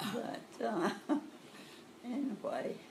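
An American accent from a woman, noticeable background noise behind her. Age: 80s+. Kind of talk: oral history interview answer.

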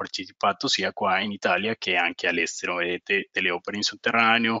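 A man speaks at a fairly quick pace with a non-native accent. His intonation stays fairly even. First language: not Italian (speaking Italian). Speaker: geotechnical and tunnel engineer. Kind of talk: webinar presentation. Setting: online webinar. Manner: halting, many hesitations.

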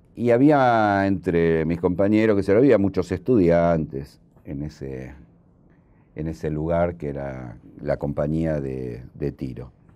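A man with a very deep, low voice, dark and mellow in tone, at a fairly slow pace with lively intonation. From Buenos Aires, Argentina; Argentina. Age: 60s. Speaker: former political activist, survivor of detention. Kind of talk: oral history testimony interview. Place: studio. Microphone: lapel.

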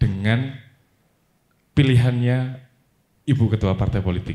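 Over a quiet background, a man's somewhat breathy voice has a dark, mellow tone at medium pitch, with ordinary pitch variation and a fairly slow pace. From Wonogiri, Central Java; Central Java, Indonesia. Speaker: audience member. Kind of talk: audience question. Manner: halting. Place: hall. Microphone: handheld.

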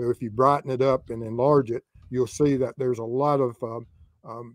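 A man's unremarkable speaking voice at medium pitch, with fairly even intonation and a dry, close sound without echo. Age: 60s. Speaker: retired police investigator. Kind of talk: casual livestream chat. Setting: livestream.

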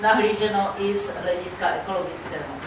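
A woman speaks at a medium pitch. The room echo is audible, and background noise is noticeable. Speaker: seminar moderator. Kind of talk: panel moderation. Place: hall.

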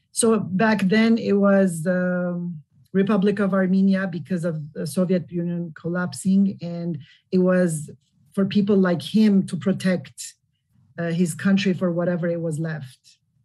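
A woman's dark, mellow voice is somewhat breathy. She speaks at a fairly slow pace with fairly even intonation. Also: medium pitch for a woman, quiet background. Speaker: mental health professional; guest. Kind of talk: panel discussion. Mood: serious, somber. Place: home room. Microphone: earbuds.

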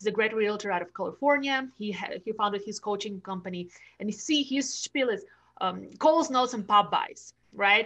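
A woman in a Latvian accent, fairly high-pitched and bright, sharp in tone, with ordinary pitch variation over a quiet background. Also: moderate pace. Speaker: real estate agent and team leader. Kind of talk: podcast interview answer. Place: home room. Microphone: video call.

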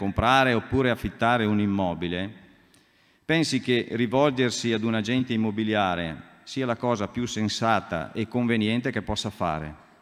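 A man at a moderate pace with ordinary pitch variation against a quiet background. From Verona, northern Italy; northern Italy. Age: 50s. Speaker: real estate agent and association official; candidate. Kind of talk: formal speech at a congress. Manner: formal. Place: hall. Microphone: podium.

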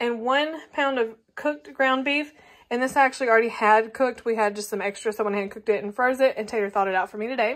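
Ordinary pitch variation from a woman, quiet background behind her. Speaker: home cook vlogger. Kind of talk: tutorial. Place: kitchen.

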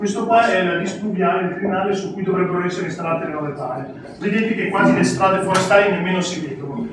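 A man talks very fast at a high pitch with ordinary pitch variation. Strong room echo and noticeable background noise fill the recording. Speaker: local committee spokesperson. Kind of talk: public meeting presentation. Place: meeting room. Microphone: camera far.

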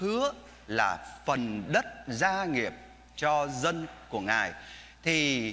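His pitch rises and falls across a very wide range. The man's delivery is very slow. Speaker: priest. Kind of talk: sermon. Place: church.

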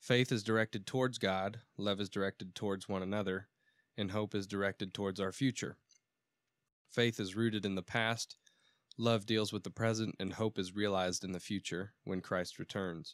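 Recorded very cleanly against a silent background, with a dry, close sound and no echo, a man with a Southern US accent talks at a moderate pace with fairly even intonation and a fairly low pitch. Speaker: podcast co-host. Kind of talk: casual chat. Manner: jokey.

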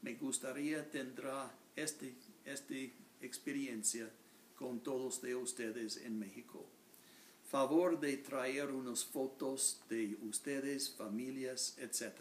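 Very slow male speech with fairly even intonation over light background noise. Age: 80s+. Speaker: former mission president. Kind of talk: recorded announcement. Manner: halting. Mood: warm, affectionate. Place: home room.

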